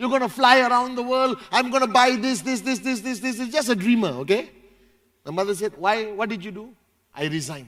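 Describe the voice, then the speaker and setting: An animated voice, raised and projected, speaks at a fairly quick pace with a bright, sharp tone and ordinary pitch variation. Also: man. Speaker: motivational speaker. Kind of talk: motivational talk. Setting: stage with audience. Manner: loud.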